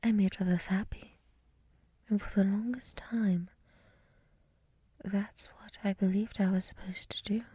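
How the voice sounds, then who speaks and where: A woman voicing a gentle dryad librarian in a soft, breathy whisper for an ASMR roleplay, speaking in a hushed, soothing, reflective way close to the microphone. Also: medium pitch, fairly even intonation, measured pace, long pauses, dry recording. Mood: wistful, confiding.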